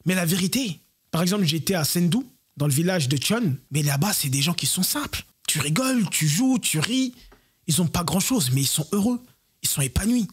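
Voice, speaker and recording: A man's voice: sits high, lively intonation, moderate pace, breathy edge. A young man from France, speaking earnestly and reflectively to his viewers in a personal vlog. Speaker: YouTuber and entrepreneur. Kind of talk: personal vlog talking to camera.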